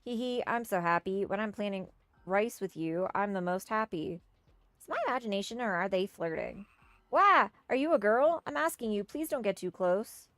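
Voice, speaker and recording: Woman gaming on stream, reads the lines out in silly voices, dry close mic, middle pitch. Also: expressive, moderate pace, fairly bright tone, no echo. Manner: playful, shifts into goofy high voices for characters. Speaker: streamer reading game dialogue aloud. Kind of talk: casual let's-play with read-aloud character voices.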